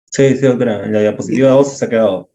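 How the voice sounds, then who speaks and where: A man's voice: mid-range voice, mellow, roomy sound, lo-fi sound. A man, a student, politely answering his teacher on a video call. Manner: polite, quick short answers. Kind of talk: brief replies on a video call.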